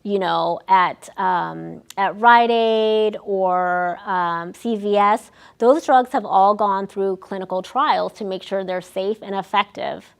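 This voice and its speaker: A woman's voice: mid-range voice, steady tone, takes it slowly, vocal fry, few pauses, clean tone. A young adult woman, a research staff member, gives an educational talk to older adults, explaining with frequent ums and restarts. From United States. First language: Vietnamese.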